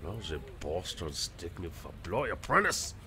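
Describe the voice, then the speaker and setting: Blustering, gruff shopkeeper, swinging pitch. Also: male voice, sing-song, a little slow, pushed and bright, full character voice. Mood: grumbling. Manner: blustering, swearing, impatient. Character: gruff, impatient, rude male shopkeeper, scornful. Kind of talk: audio drama acting.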